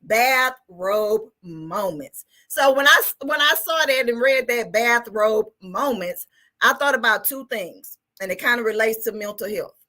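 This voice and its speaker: A woman's voice: fairly high pitch, expressive, a little slow, sharp tone. An enthusiastic woman from Texas with a Southern US accent, talking casually and folksily as a therapist guest. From Texas, United States. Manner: enthusiastic, folksy, rhetorical check-ins. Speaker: guest, mental health therapist. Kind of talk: casual interview and motivational talk.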